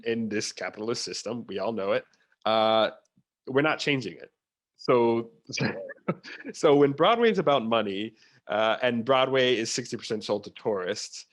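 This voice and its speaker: A man speaking as a theatre producer in a conversational interview, opinionated and emphatic, repeating phrases to stress his point. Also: on the low side.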